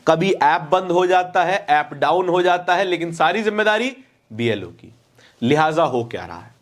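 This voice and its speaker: A man's voice: on the high side, lively intonation, normal speed. A man presenting opinionated news commentary, speaking emphatically with repeated phrases and rhetorical questions.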